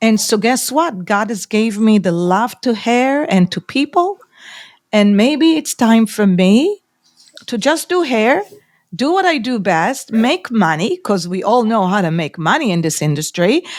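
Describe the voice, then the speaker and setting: Speaking at a fairly slow pace with a non-native accent, a woman's fairly high voice swings very widely in pitch. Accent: foreign. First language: Hebrew. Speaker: salon owner and business consultant. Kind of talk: interview.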